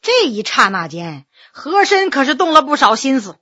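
Female storyteller, high-pitched and expressive, for a dramatic tale narration. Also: moderate pace, lo-fi sound.

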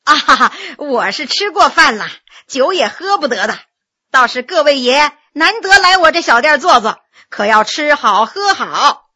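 A woman voicing a chatty, flattering middle-aged innkeeper woman who gushes and talks fast. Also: high-pitched, heavily acted. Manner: gushing and fast-talking.

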